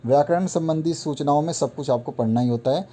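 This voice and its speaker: Male tutor for a recorded lesson: mellow, unhurried, repeats each point as he works down the list. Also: on the high side. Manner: repetitive, instructive, walks through a list item by item. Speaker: teacher. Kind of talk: explaining a syllabus to students.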